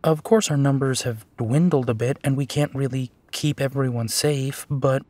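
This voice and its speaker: A man playing a gentle, protective, weary werewolf detective in an intimate audio roleplay, with a soft, halting delivery. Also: mid-range voice, no echo, lightly acted. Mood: reflective, wistful.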